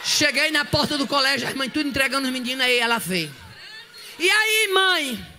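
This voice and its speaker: Woman preacher, very bright and sharp voice, fervent shouted sermon. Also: high-pitched, animated, fast talker, slight background noise. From Northeast Brazil. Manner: shouting bursts and tongues, fervent.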